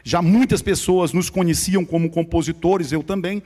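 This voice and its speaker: Man, Maranhão accent, high-pitched, church testimony, talks straight to the congregation. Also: steady tone, normal speed, mellow. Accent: Maranhão Brazilian Portuguese. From São Luís, Maranhão, Brazil. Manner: conversational storyteller, speaks directly to the audience. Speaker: guest speaker at church.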